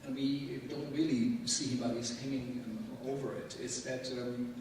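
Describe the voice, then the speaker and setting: A man moderating a live public discussion, asking rambling questions in a hesitant, halting way. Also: mid-range voice, little pitch movement, darkish tone. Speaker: moderator, interviewer. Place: public event hall with audience. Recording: very echoey hall, distant mic, clear noise.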